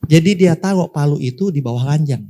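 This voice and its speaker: A male pastor preaching a lively sermon, telling a story and acting out the voices of its people while speaking to the congregation. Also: a little high, brisk.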